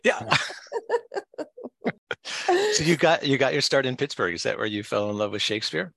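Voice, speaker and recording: A man co-hosting a podcast, chatting in a playful, animated way. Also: mid-range voice, creaky, no echo. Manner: animated, playful, quick to laugh. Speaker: podcast co-host. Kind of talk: casual podcast interview.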